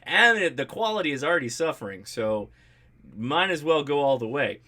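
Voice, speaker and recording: An American man hosting a casual livestream about a hobby, reading out and answering viewer comments in an animated, jokey, colloquial way. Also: on the high side, normal speed. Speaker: host of a ham radio livestream.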